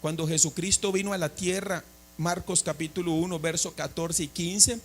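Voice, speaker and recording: A man's voice: a little high, steady tone, normal speed. A man preaching a sermon as a pastor, asking the congregation questions and calling for responses.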